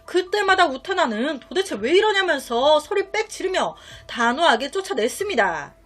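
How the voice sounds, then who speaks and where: Lively high-voiced woman storyteller. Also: normal speed, soft background music. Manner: chatty, rhetorical questions, commenting on the story. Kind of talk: conversational crime storytelling.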